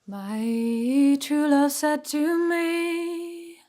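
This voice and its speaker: A woman's voice: high voice, steady tone, very slow, dark tone, soft background music. A woman singing an unaccompanied folk ballad in a lilting style with free timing.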